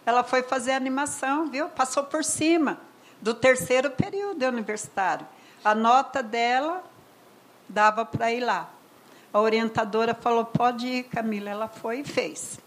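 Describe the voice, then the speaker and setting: An older woman with a Brazilian accent, telling a personal story as a mother in an emotional, conversational way, often trailing off softly. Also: fairly high pitch, moderate pace, rough recording. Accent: Brazilian Portuguese. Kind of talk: personal testimony.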